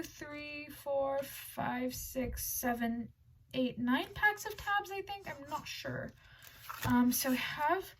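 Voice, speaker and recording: A woman's voice: high-pitched, a little hiss or hum. A young woman showing off a haul, chatting casually in a bubbly, rambling way with many restarts. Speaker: book vlogger.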